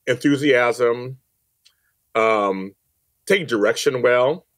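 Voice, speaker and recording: A man's voice: medium pitch, drawn-out words, fairly bright tone. A man talking casually as an interview guest, emphatic, often repeating phrases and acting out quotes. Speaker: podcast guest, audio drama producer and director.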